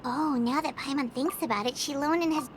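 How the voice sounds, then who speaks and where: A woman voicing a tiny, excitable female fairy companion who talks about herself in the third person, in a game. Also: high voice, a little fast, slight background noise, natural voice. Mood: chirpy. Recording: game audio with loud music.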